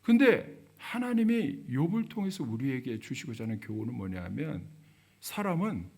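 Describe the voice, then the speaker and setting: Korean pastor preaching with sudden swells. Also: male voice, sing-song, moderate pace, gravelly, slightly rough. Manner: swings between soft low murmurs and loud emphatic preaching; acts out quoted speech of biblical figures. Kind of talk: sermon.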